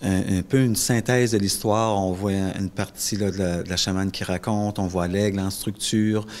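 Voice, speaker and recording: Intonation stays fairly even as the words come at a fairly slow rate. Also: man. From Schefferville, northern Quebec; Quebec. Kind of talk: interview. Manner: hesitant, repeats words. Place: hall. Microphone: handheld.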